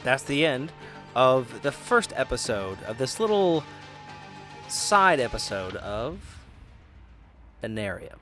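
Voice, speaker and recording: A man's voice: mid-range voice, sing-song, takes it slowly, long pauses, fairly bright tone, faint music behind. A man hosting a podcast, talking to listeners in an informal, joking, casual way. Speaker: podcast host.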